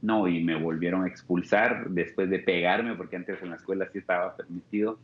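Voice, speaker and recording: A young man with a Guatemalan Spanish accent shares his life story in an interview, earnest and reflective, often breaking off and starting his phrases again. His voice sits fairly low. The sound is dull and lo-fi. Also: fairly even intonation, fairly quick, reverberant, slight background noise. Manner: earnest and reflective, with frequent restarts. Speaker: interview guest. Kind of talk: personal testimony.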